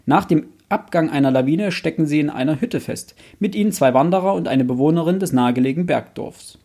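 A man's voice: a little high, a little fast, warm tone. A young man hosting a casual book discussion, thinking aloud in a hesitant, self-correcting way. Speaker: podcast host.

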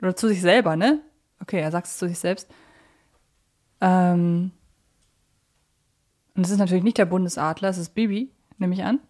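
A woman's voice: fairly low pitch, moderate pace, long pauses, darkish tone. A woman chatting casually as co-host of a fan quiz podcast.

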